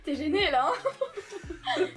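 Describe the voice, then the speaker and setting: A woman from the Paris region with a fairly high voice, chatting casually on a blind date. She is giggly and teasing. Music plays clearly behind her. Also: slow pace. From Paris region, France. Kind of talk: casual chat.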